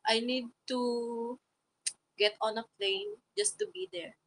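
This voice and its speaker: A woman's voice: fairly high pitch, big pitch swings, a little hiss or hum, rough recording. Hesitant Filipino woman on a call. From Philippines. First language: Tagalog. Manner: hesitant, pausing to find English words. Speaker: stranger on a video chat. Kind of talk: casual video chat.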